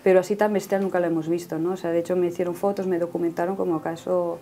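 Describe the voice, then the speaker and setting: Her voice is fairly low, mellow and fast, with little pitch movement. The woman, in her thirties, is a guest telling her personal faith testimony in earnest conversation, regularly ending phrases with a questioning "no?".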